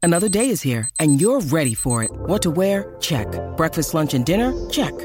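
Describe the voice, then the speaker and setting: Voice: mid-range voice, very animated, moderate pace. An announcer reading a scripted commercial voice-over. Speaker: advertisement announcer. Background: loud music.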